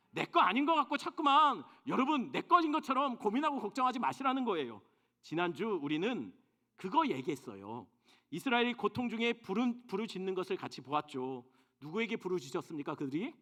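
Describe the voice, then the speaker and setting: A man's voice: high-pitched, sharp tone. A male senior pastor preaching a sermon in church, talking to the congregation and often putting questions to them. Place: church sanctuary.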